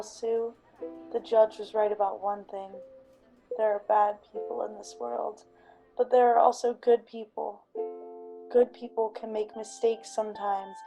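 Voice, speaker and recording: A woman playing a world-weary but earnest male city detective in a radio drama, with deliberate delivery. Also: a little high, creaky, mellow. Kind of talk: radio drama acting with reflective monologue.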